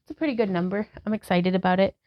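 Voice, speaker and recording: A woman in her thirties leading a guided yoga session as a vlogger, cueing each pose calmly and gently. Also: mid-range voice, racing. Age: 30s. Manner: calm, gentle cueing with breath prompts. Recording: slightly dull lo-fi sound.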